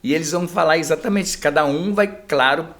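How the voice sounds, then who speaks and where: A man's voice: on the high side, a little fast, fairly bright tone. Man, Brazilian Portuguese accent, middle-aged, therapist guest, casual explanatory podcast talk. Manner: explanatory, many filler tags at phrase ends.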